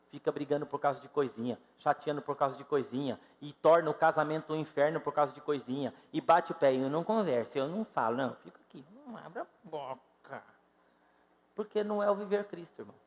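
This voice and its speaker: A Brazilian man in his fifties preaching a sermon to his congregation, emphatic and direct, swinging between loud exclamations and quiet, drawn-out phrases. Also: on the high side, in a large hall. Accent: Brazilian Portuguese. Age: 50s. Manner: emphatic, rises and drops sharply in loudness, addresses congregation directly. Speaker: pastor. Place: church sanctuary.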